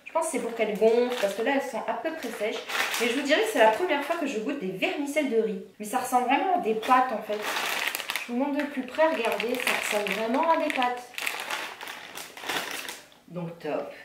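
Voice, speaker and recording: A woman's voice: fairly high pitch, expressive, brisk. A woman vlogger chatting casually through a food box unboxing, reading ingredient lists aloud with fillers and self-corrections. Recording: echoey room, faint background noise.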